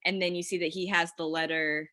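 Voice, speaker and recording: Bright-voiced woman chatting casually. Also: on the low side, level tone, a little fast, dry recording, clean studio sound. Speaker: writer in a table-read discussion. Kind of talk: casual chat.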